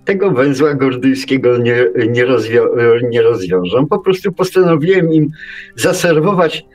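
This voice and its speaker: A man co-hosting a casual radio show, musing in halting phrases with many false starts. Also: medium pitch, expressive, faint music behind. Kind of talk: casual live radio chat.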